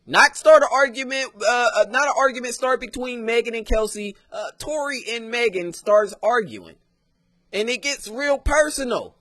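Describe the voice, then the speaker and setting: A man giving sarcastic, emphatic casual commentary as he pauses and reacts to a clip. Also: very high-pitched, lively intonation, fairly bright tone, no room sound.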